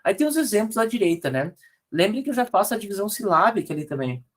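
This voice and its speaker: His voice high-pitched, very animated and a bit bright, a Brazilian Portuguese-accented man runs an online grammar lesson. He explains the rules with patience, often uses tag questions to check in, spells letters slowly, and corrects slide errors aloud.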